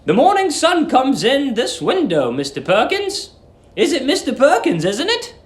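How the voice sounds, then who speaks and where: A man voicing a sweet, fussy middle-aged English landlady in a storybook reading, eerily kind, with drawn-out, gushing phrases. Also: very high voice, wildly swooping pitch, reverberant, voice pushed up, exaggerated voice. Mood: cooing, welcoming. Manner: drawn-out, gushing, cooing delivery.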